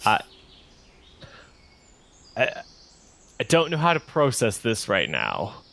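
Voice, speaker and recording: A man's voice: on the low side, huge pitch swings, slow, creaky, a bit bright, heavily acted. A man voicing a stammering, bewildered old village elder. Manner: hesitant, stammering.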